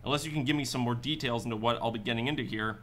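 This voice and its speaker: A man's voice: mid-range voice, rapid-fire, fairly bright tone, slight background noise, natural voice. A man playing a laid-back, sardonic private detective in a sci-fi radio drama, with a dry, offhand manner. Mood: businesslike. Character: wry, laid-back male private detective in futuristic Boston. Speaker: actor in a radio play.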